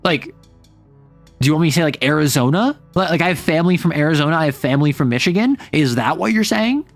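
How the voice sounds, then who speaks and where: A man's voice: fairly high pitch, animated, fast talker, dry recording, soft background music. An American man, a young adult, chatting casually on a livestream in a rambling, self-interrupting, wry way. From United States. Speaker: streamer.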